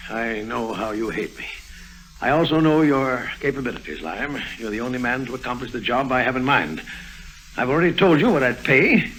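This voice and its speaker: A man's voice: mid-range voice, expressive, moderate pace, a bit bright, close to an everyday voice, low-quality recording. An actor playing a strained, earnest middle-aged male governor who begs for help, in a 1950s radio drama. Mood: pressured. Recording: old radio broadcast with faint hiss.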